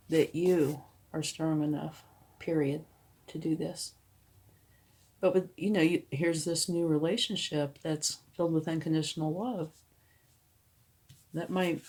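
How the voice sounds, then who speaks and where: A woman with a hoarse voice from a cold, giving a tarot card reading in a relaxed, reassuring way and often checking in with the listener. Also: deep voice. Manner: reassuring, explains each card to the viewer and checks in with "okay?". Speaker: tarot reader. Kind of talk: tarot card reading, casual spoken explanation.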